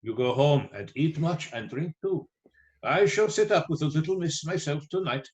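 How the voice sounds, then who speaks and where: Male actor as older Germanic professor, slightly high voice, grave, commanding, fatherly, theatrical radio drama. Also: expressive, moderate pace, lightly acted. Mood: fatherly, measured. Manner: stilted foreign phrasing, commanding yet fatherly.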